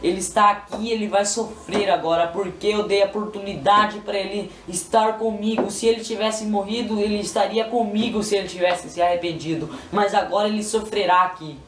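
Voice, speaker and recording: Solemn male God, stern and unhurried, as a Brazilian man quotes him, roomy sound heard from a distance. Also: sits high, fairly even intonation, a bit bright. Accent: Brazilian Portuguese. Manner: slow, measured commands. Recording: roomy, distant mic, faint noise.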